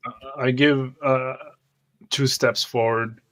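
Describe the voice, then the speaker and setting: A man's voice: medium pitch, level tone, takes it slowly, fairly bright tone. A man in a tabletop game, roleplaying in the first person in a formal, polite style.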